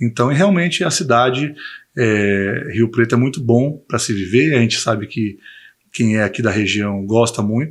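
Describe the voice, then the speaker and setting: A man talks at a moderate pace in a medium pitch. The background is quiet. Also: ordinary pitch variation. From Bahia, Brazil (Porto Seguro). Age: 40s. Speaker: visa consultancy business owner. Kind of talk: interview.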